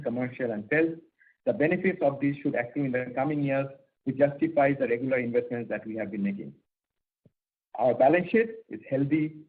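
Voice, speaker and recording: A man's voice: medium pitch, slightly rough. Guy doing finance commentary on an earnings call, phone sound, voice not too clean. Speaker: company finance executive. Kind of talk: earnings call commentary, partly prepared, partly off the cuff. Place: conference call over phone line. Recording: tinny, narrow phone-line audio.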